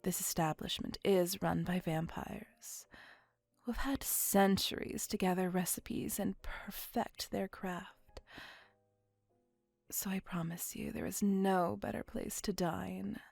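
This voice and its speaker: A woman voicing a possessive, centuries-old female vampire in an ASMR roleplay, whispering softly with formal, old-fashioned phrasing. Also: on the low side, fairly even intonation, takes it slowly, creaky, dry recording, heavily acted. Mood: tender. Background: faint music.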